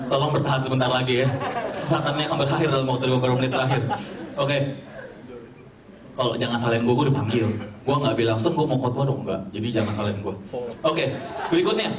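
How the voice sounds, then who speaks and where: A man's voice: medium pitch, fairly quick, long pauses, crowd noise. A young man preaching a casual sermon, mixing slang and English and joking with his audience. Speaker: youth preacher. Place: church hall. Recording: echoey hall, distant mic, faint ambience.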